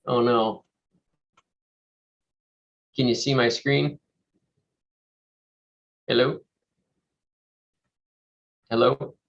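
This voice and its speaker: A man's voice: mid-range voice, fairly even intonation, extremely slow, gravelly, long pauses. A man presenting on a video call as the call drops out, repeatedly asking whether he can be heard. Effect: call dropping out, voice lost on the line. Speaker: benefits consultant presenting. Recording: dull lo-fi call audio.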